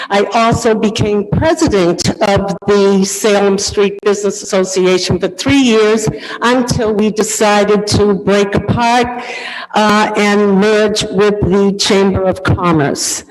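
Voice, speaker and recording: A middle-aged woman from Medford speaking loudly and with rising passion during public comment at a council meeting. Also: mid-range voice, steady tone, takes it slowly. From Medford, Massachusetts. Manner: loud, impassioned, rising to shouting. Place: council chamber. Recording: reverberant hall, distant mic.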